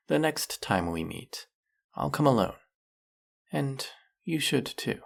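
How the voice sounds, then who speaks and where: Slow, creaky-voiced lonely snake villain played by a man. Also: fairly low pitch, exaggerated voice. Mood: shyly flirtatious. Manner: soft-spoken, flirtatious, unhurried. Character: lonely, courteous snake-headed male villain, smitten and gentle. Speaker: voice actor in an audio roleplay. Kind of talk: intimate audio roleplay acting, addressing the listener.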